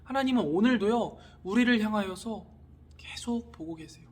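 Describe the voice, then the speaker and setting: A man in his thirties, a youth pastor, giving an earnest sermon to teenagers with gentle, polite appeals. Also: high-pitched, expressive, moderate pace, slightly rough.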